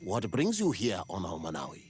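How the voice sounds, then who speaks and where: An actor playing a wise, dignified island tribal leader in a video game, speaking solemnly and with ceremony. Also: male voice, low-pitched, wildly swooping pitch, a little fast, darkish tone, a little hiss or hum. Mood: troubled. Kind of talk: dramatic video game dialogue.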